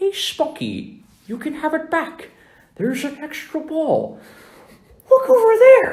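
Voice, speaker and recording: A put-on, high-pitched character voice, fairly slow, with very wide pitch swings and long, frequent pauses. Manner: comical, cartoonish.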